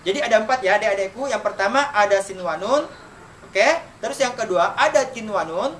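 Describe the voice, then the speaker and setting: A man with an unusually high voice teaches young pupils how to recite, posing questions and answering them himself. He draws out each example in a slow chant. He sits away from the mic, with a faint hiss in the background. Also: animated, a bit bright, recorded from a distance. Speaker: elementary school Quran recitation teacher. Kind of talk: online tajwid lesson for children.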